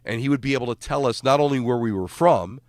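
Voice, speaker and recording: A man in his fifties from New Jersey, co-hosting a sports radio show in a studio, self-deprecating and halting, with many restarts. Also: medium pitch, a little mellow, no echo. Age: 50s. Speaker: radio co-host. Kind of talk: casual sports radio banter. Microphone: studio microphone.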